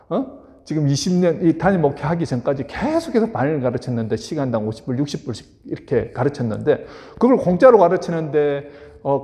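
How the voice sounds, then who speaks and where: A man's voice: fairly high pitch, mellow, long reverb tail. A male pastor preaching a sermon, emphatic and full of rhetorical questions to his congregation, in a church sanctuary.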